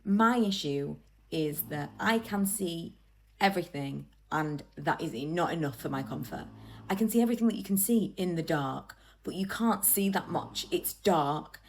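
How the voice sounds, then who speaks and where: This woman's lowish, expressive voice moves at a normal speed as she vlogs casually to the camera. She rambles, pokes fun at herself, and repeats phrases for emphasis.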